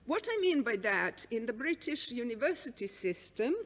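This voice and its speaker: A middle-aged woman whose first language is Serbian speaks at a conference lectern in a measured, wry way, often pausing on an um. Her voice sits fairly high. The sound rings with the long reverb of a large hall. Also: big pitch swings. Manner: measured, wry, with frequent ums. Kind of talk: academic conference talk.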